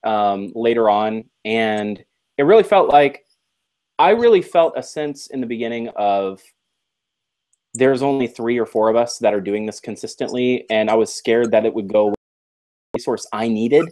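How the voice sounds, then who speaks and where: A man's voice: mid-range voice, moderate pace, a little mellow. Earnest man chatting on a podcast. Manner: earnest, reflective, teasing asides. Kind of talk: casual live podcast chat.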